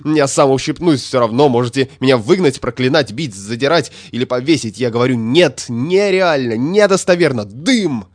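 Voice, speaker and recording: A man voicing a hysterical, puffed-up little male statistician who shouts and rants indignantly. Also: animated, normal speed, few pauses, dry recording, lightly acted. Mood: ranting. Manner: shrill, shouting, indignant ranting.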